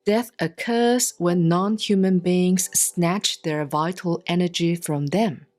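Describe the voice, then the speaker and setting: A woman reads a Buddhist sutra aloud in a solemn, scripted style, with measured, deliberate enunciation and long pauses. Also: on the low side, steady tone, a little mellow. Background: instrumental music.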